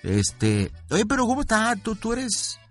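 A man's voice: sits high, huge pitch swings, measured pace, fairly bright tone, faint music behind, pitched above the performer's own voice, full character voice. A man with a Mexican accent playing a slangy, pushy used-car dealer on a prank phone call. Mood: friendly prying. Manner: chummy, slangy, pushy questioning. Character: smooth-talking male used-car dealer, adult.

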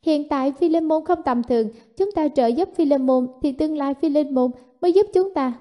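A woman voicing an anxious young holy maiden who asks quick, worried questions. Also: high-pitched, mellow, voice pushed up, lightly acted.

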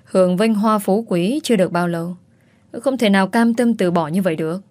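A woman's voice: mid-range voice, brisk, a little mellow, no echo, close to an everyday voice. Woman doing a scheming fussy rich mother. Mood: scolding. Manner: fussing, wailing, bossy. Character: scheming wealthy middle-aged mother pushing her daughter.

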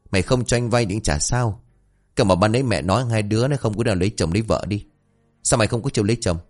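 A man voicing a rowdy young ex-soldier who wheedles his sister for money in a brash, rapid-fire manner. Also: on the low side, a little mellow.

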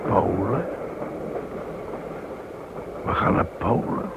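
Slow, gravelly anxious deportee. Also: male voice, fairly low pitch, very animated, heavily acted. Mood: anxious doubt. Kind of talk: Dutch radio play acting. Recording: dull old recording, clear noise.

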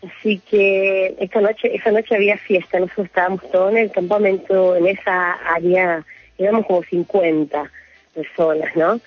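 A woman's voice: mid-range voice, fairly even intonation, moderate pace, slightly rough, no room sound. A Chilean woman calling into a radio show by phone, telling a rambling story with frequent laughs. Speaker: caller. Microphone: phone call. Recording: muffled phone line with faint music.

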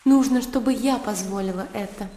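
A woman's voice: mid-range voice, normal speed, warm tone, slight background noise, natural voice. A woman in her early twenties, an actress playing a willful, blunt young lady in a radio play. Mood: curious. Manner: blunt, impulsive, scornful. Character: spirited, willful young lady, proud and scornful. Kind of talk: radio drama acting. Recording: roomy reverb with music underneath.

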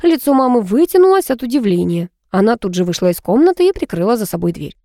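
Lively woman narrating a story. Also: on the high side, fast, no echo, clean studio sound. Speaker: audiobook narrator. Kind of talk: first-person story narration.

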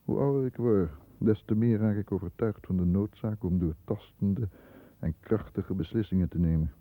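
An actor playing a stern, disdainful middle-aged lawyer who narrates his own thoughts in a measured way in a 1960s radio drama, heard on a muffled old recording. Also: on the low side, dry recording, lightly acted. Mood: reflective, severe. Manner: measured, introspective first-person narration.

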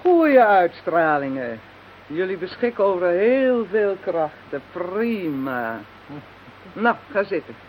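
A woman's voice: fairly low pitch, sing-song, slow pace, a little mellow. An actress playing an eccentric, self-assured white witch in a radio play, speaking emphatically and theatrically. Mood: confident. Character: eccentric, self-assured white witch named Maria, solemn when incanting. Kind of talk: Dutch radio play acting. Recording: dull, slightly hissy radio drama recording.

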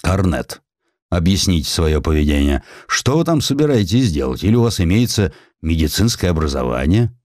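A man's voice: sits low, big pitch swings, normal speed, a little mellow, no room sound, studio quality. A man voicing an old, authoritative war minister in an audiobook, commanding and interrogating. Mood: demanding. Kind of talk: audiobook character dialogue.

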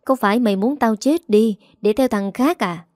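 Drunk jealous husband in a spoken story, sneering, accusing, read by a woman, warm low-toned voice, dry close sound. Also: normal speed, dry recording, natural voice. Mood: bitter, accusing. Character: drunk jealous bullying husband, middle-aged man.

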